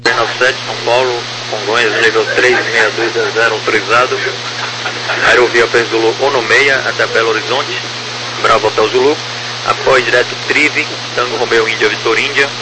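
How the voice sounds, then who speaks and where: Over a noisy, crackly radio like a military channel comes a Brazilian man's voice, medium in pitch and very even. He is an air traffic controller, reading out clipped procedural clearances in set phraseology. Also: normal speed. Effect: aviation radio.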